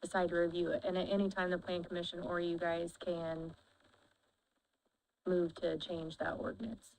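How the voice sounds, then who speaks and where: Brief: female adviser, low, even, smooth voice, patient explanation. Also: moderate pace, a little hiss or hum, rough recording. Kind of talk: explaining procedure in a meeting.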